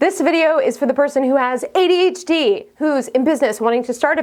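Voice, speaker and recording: A woman speaks at a fairly quick pace. Her tone is energetic. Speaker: content creator and photographer. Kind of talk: vlog-style advice talk. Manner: fast; casual, energetic.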